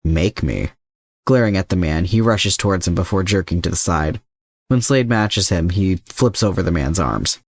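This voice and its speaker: Low-voiced man narrating a story. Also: lively intonation, moderate pace, no room sound, clean studio sound. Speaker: fan fiction podfic narrator.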